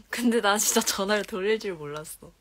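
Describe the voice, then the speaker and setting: Soft-spoken woman with a regional accent. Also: mid-range voice. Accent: Korean regional dialect. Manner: soft-spoken, drifts into whispers and giggles. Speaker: idol livestream host. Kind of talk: casual livestream chat reading comments. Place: dim bedroom, indoors. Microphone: phone held at arm's length.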